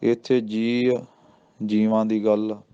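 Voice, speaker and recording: A man gives a slow lesson in scripture pronunciation, drawing out each verse in a deliberate chant before explaining it. His voice is low, flat and unhurried, with a smooth, mellow tone. The recording sounds a little dull and muffled. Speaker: scripture recitation teacher. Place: Sikh religious school.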